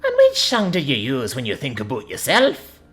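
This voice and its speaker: A man voicing a gruff, whiskey-sipping male black rabbit with a thick Scottish accent, blunt and folksy. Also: medium pitch, huge pitch swings, normal speed, fairly bright tone, faint music behind, voice pushed up. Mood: prodding.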